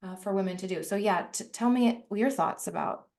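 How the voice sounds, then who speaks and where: A woman's voice: medium pitch, normal speed, a little mellow. A woman hosting a podcast interview in a casual chat, talking her way through questions with many restarts, fillers and laughs. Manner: chatty, searching for words with many restarts and fillers; laughs often while talking. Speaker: podcast host.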